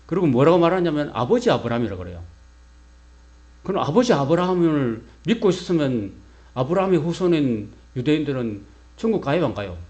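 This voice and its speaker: A man's voice: fairly high pitch, big pitch swings, a little fast, darkish tone. A pastor preaching a sermon. He keeps asking the congregation questions and answering them himself, and leads them in call and response.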